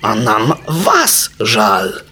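A man's voice: on the low side, level tone, a little slow, gravelly, fairly bright tone, slight background noise, voice pushed down. A man voicing a lazy male fum creature in a storybook, sulky and easily offended. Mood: irritated.

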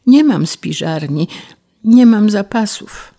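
A woman's voice: mid-range voice, lively intonation, takes it slowly, dark tone, pitched above the performer's own voice. A woman voicing a weak, starving male grasshopper who begs for help in a plaintive way. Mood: pleading.

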